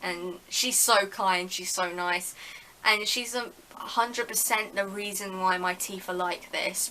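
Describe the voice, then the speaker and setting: A woman's voice: mid-range voice, pushed and bright, slight background noise, rough recording. A woman telling a story in a casual vlog, chatty and full of "like". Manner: chatty, heavy use of "like", acts out dialogue. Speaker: vlogger.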